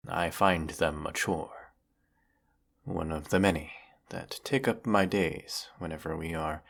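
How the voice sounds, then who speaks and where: In a scripted audio roleplay monologue, a man voices a weary, menacing galactic evil emperor who is secretly fond of his servant. His exaggerated voice is deep, low and gravelly, delivered in a pompous, theatrical, formal style with drawn-out phrasing.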